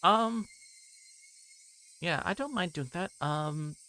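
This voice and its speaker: A man livestreaming a visual novel, reading it aloud and chatting to viewers in a hesitant, halting way. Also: high voice, pushed and bright, clean tone.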